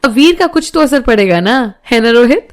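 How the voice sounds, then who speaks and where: A woman's voice: a little high, expressive, moderate pace, faint music behind, pitched above the performer's own voice, lightly acted. A woman voicing a young woman on her birthday, grateful and playful with her boyfriend and cousin.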